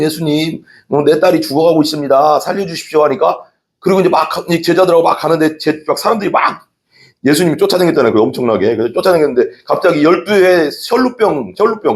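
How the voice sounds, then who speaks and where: Lively, animated male preacher. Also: mid-range voice. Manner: animated storytelling preacher, asks the congregation questions. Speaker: pastor. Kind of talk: evening church sermon. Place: church.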